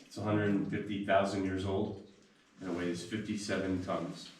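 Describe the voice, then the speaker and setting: A man's voice: low-pitched, flat delivery, normal speed, slight background noise. A man working as a cave tour guide, narrating to a group as he points things out. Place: inside a cavern. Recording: very echoey cave, distant mic, music behind.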